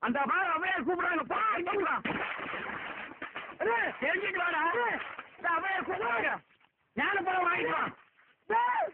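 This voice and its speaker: A man in a film comedy scene, scolding and mocking others with quick insults. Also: very high voice, heavy background noise. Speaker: comic film actor. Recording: tinny lo-fi film audio.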